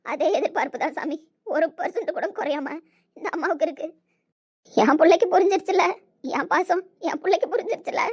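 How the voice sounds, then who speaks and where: A woman playing a tender, tearful mother in a scripted family drama, speaking softly and affectionately. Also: extremely high pitch, a little fast. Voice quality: soft, pleading, affectionate. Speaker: mother character.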